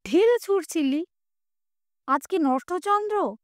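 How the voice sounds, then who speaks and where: A woman narrator puts on an elderly father from a village, timid and pleading as he mutters prayers under his breath. He speaks slowly, set close and dry in a storybook reading. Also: very high-pitched, expressive, dry recording, voice pushed up, full character voice. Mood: puzzled.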